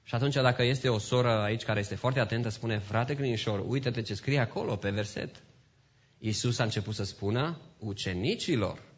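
A man's voice: medium pitch, breathy edge. Impassioned man preaching, dull lo-fi sound. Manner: swings between quiet asides and loud impassioned build-ups. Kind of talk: sermon. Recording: dull lo-fi recording.

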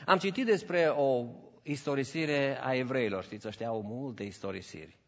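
A man preaching a sermon, telling stories and acting out the voices in them, with English phrases mixed into his preaching. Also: medium pitch. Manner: animated storytelling, acts out voices in anecdotes. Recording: dull audio with long church reverb.

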